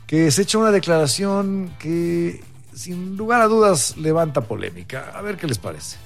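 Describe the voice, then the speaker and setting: A man co-hosting a talk show in a relaxed, chatty way. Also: a little high, normal speed, soft background music. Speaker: co-host. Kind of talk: casual talk-show chat.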